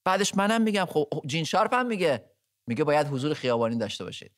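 Measured studio guest, dry close sound. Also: male voice, fairly high pitch, sing-song, no room sound. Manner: measured, explanatory, lists points one by one. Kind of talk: political discussion.

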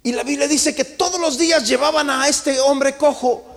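A man with a very high voice preaches a sermon from the pulpit, his words ringing with a long reverb through the church. He presses hard on his congregation, calling out loudly one moment and dropping to a hushed aside the next. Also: normal speed, vocal fry. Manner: impassioned, swings between loud calls and hushed asides. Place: church sanctuary.

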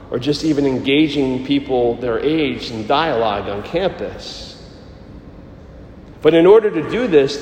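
A man, a Catholic priest, speaking to a congregation in a measured, solemn sermon delivery. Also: mid-range voice. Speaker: Catholic priest giving a homily. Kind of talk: scripture reading and sermon. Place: large reverberant church. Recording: echoey church, long reverb, background noise.

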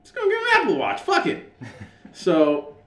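Animated American man telling stories, echoey room. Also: a little high, moderate pace. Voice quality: loud, carrying voice. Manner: animated, profane, acts out reported dialogue. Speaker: podcast co-host. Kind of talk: casual storytelling banter.

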